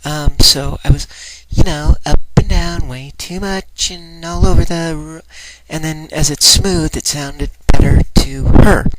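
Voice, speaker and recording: A woman speaks in a hesitant, self-doubting vlog style. Her voice is low for a woman, slightly breathy and nasal, with the resonance lightened in the throat. Loud noise and clicks run through the home recording. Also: fairly even intonation, unhurried, hardly any pauses. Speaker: voice trainee asking for feedback. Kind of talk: personal vlog, rambling confession.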